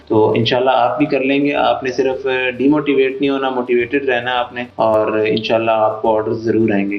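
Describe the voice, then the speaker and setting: A man's voice: mid-range voice, roomy sound, muffled recording. A Pakistani man with a Pakistani Urdu accent, casually walking viewers through a tutorial as host, often saying "theek hai" and "yaar". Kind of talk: screen-recorded tutorial.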